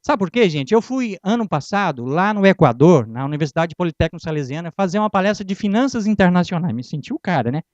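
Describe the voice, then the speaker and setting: Middle-aged male lecturer, high and very animated; comic anecdotes with acted-out dialogue; dull, dry recording. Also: fast talker, few pauses, no echo. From Brazil. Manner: animated storyteller who acts out dialogues. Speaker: guest lecturer. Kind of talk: humorous motivational lecture. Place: lecture hall.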